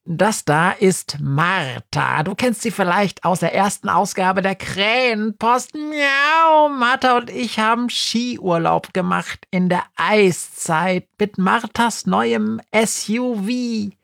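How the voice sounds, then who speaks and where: A woman's voice: medium pitch, takes it slowly, creaky, few pauses, fairly bright tone, no room sound, clean studio sound. A woman voicing a hyper, chattering male cat who keeps meowing between sentences in an audiobook story. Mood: excited chatter. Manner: chirpy, meows between sentences. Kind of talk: audiobook character voice.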